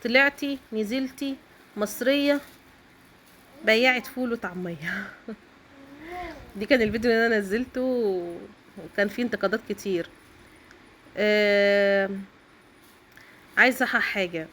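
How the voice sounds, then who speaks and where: An Egyptian woman vlogger with a cold, talking straight to her viewers in an emphatic casual monologue and often pausing to check in with them. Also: a little high, slight background noise. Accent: Egyptian Arabic. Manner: emphatic, keeps checking in with "okay?". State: has a cold, coughing. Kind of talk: casual direct-to-camera monologue.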